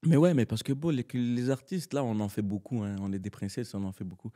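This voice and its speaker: A man's voice: medium pitch, fairly quick. A man, a comedian and actor, telling stories as a podcast guest in slangy speech that slips into English. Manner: animated, slangy, mixes in English. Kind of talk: casual storytelling in conversation.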